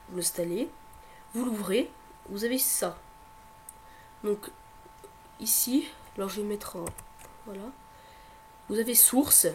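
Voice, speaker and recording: This screen-recording tutorial comes from a high-pitched man who has a head cold. He hesitates a lot, filling gaps with fillers, repeating words and starting sentences over, while a faint hum lingers in the audio.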